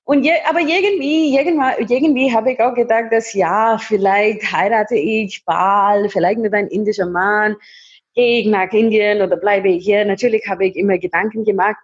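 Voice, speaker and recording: A woman's voice: medium pitch, steady tone, normal speed, breathy edge, lo-fi sound. A woman from India, Hindi native, telling her life story in an interview, often restarting and repeating words. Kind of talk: casual interview talk.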